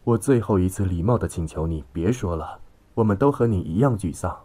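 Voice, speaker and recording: Guy doing a worn out peacemaker dad for an audiobook, dark low husky voice. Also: expressive, fairly quick. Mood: placating. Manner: placating, exasperated. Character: weary, conciliatory father trying to keep calm. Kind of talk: dramatised audiobook story.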